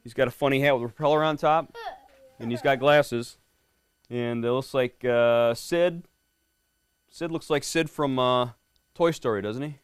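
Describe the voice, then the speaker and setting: A man's voice: mid-range voice, measured pace, long pauses, clear, resonant tone. Friendly middle-aged man reading to kids. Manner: friendly, quizzing the kids, often asks "right?". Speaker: police lieutenant reading to students. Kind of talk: reading a picture book to a class. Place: elementary school classroom.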